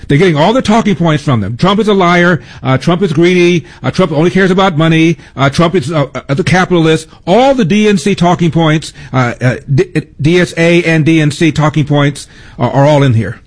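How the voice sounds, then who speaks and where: A man hosting a political talk show, speaking conversationally with some halting fillers. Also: a little high. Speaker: radio talk host.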